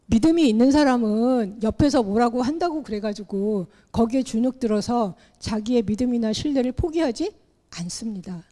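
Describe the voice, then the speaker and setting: A middle-aged woman preaching a sermon in an animated way, acting out the Bible characters as she tells their story. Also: a little high. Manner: animated, acts out the Bible characters in her telling.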